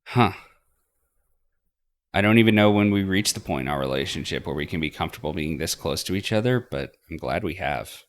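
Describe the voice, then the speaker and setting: Low-voiced man narrating a story. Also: vocal fry, a bit bright. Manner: acts out dialogue between narrated passages. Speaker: let's play host reading a visual novel aloud. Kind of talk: expressive first-person story narration.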